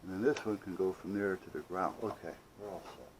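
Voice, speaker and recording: A man with a low-pitched voice talks briskly over background noise while working through a hands-on project in his own workshop video. A hobbyist maker, he chats casually, rambling and muttering to himself with playful asides.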